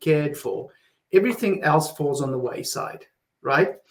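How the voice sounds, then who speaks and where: Here a man is speaking. His intonation is lively. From South Africa. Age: 50s. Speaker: software company executive. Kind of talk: conference interview. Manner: halting, with many repetitions.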